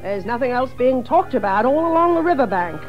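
A man playing an excitable, bossy, practical water rat in a children's audio drama, indignant and emphatic. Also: very high-pitched, a little fast, highs cut off, soft background music. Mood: brisk, gossipy. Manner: indignant, blustering, emphatic British exclamations. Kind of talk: full-cast children's audio drama acting.

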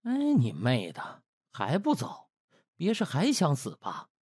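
A man's voice: on the high side, wildly swooping pitch, slow pace, darkish tone, husky, dry recording, studio quality, heavily acted. A man voicing a brash, indignant, foul-mouthed young man who blusters and gripes in a comic audiobook. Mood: grumbling. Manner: blustering, muttering, colloquial griping. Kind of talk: dramatized comic web-novel audiobook.

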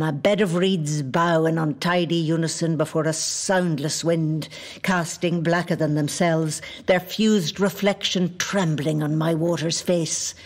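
An actress with a Northern Irish accent playing an ancient, watchful lake spirit in a literary audio drama, speaking in measured, hushed poetry. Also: female voice, on the low side, lightly acted. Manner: measured, hushed, poetic storytelling. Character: ancient female spirit of a wild mountain lake, watchful, possessive.

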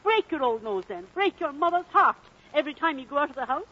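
A feisty Welsh miner's wife in an old film drama, scolding and scornful with a lilt. The soundtrack is muffled and aged. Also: female voice, sits high, expressive, fast talker, pushed and bright. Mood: indignant. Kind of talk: vintage film drama acting. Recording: dull vintage film soundtrack.

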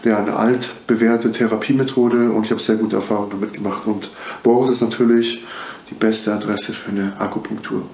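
A man's voice: fairly low pitch, flat delivery, a little fast, vocal fry, a little mellow, reverberant, slight background noise. A man in his thirties with a slight cold, chatting casually to camera in a small treatment room. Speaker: vlogger. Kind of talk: casual vlog talk.

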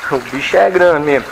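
A man from Brazil, chatting casually as he cleans up and bathes his dogs in an outdoor kennel yard. His voice sits a little high for a man, and he keeps breaking off to coax and scold the animals. The recording is a noisy outdoor phone capture. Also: gravelly. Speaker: dog owner vlogger. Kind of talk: casual running commentary while working.

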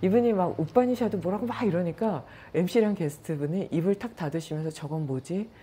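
A middle-aged woman, a yoga and meditation teacher, talking casually and calmly, telling stories and acting out what people said. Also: fairly low pitch, fast, slightly rough. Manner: anecdotal, calm, with acted-out quotes. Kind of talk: casual talk to viewers.

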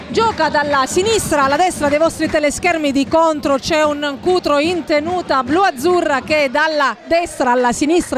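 A woman's voice: high-pitched, noisy background. A woman giving live football commentary in wordy, formal phrasing with frequent hesitations.

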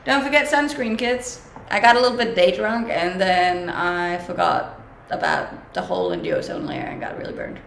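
A woman's voice: fairly low pitch, lively intonation, moderate pace, hardly any pauses, fairly bright tone. A young woman with a Danish accent, chatting casually on a livestream and answering viewer comments, laughing often. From Denmark. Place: home kitchen, indoors. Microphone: webcam at desk distance. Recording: echoey kitchen with faint background hum.

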